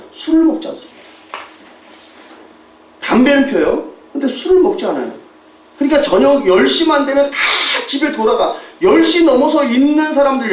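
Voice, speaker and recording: A Korean pastor preaching a sermon with a mission report, telling stories with lively mimicry and frequent laughter. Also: male voice, very high-pitched. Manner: animated storytelling, mimics shouting tourists, laughs often. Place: church sanctuary. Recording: echoey church hall, distant mic.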